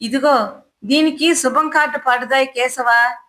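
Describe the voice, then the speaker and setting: Lady doing a blunt old guy past seventy, quick talker, high bright voice, storybook. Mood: hearty. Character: brisk, blunt old man in his seventies.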